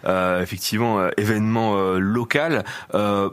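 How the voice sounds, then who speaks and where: A man's voice: lowish voice, steady tone, normal speed, clear, resonant tone. A man hosting a casual radio interview in a hesitant manner.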